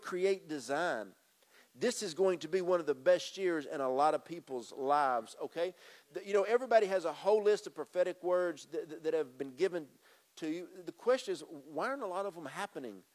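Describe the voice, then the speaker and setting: On a church stage beside a drum kit, a middle-aged pastor speaks into a handheld microphone in a slightly higher-than-average, darkish voice. His intonation is lively and his pace fairly quick as he emphatically repeats phrases, addresses the congregation directly and moves around.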